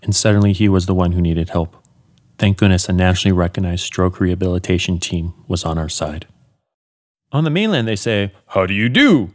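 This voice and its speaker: A man's voice: low voice, animated, fairly quick. Young man reading polished commercial voice-over. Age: young adult. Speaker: voice actor. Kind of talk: scripted commercial and narration voice-over demo reel. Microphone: studio condenser microphone, close.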